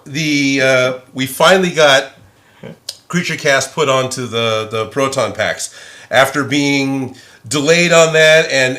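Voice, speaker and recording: A man's voice: mid-range voice, pushed and bright. A man hosting a casual workshop livestream, chatting easily with a guest and chuckling often. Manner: chuckling, easygoing banter. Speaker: prop maker and stream host.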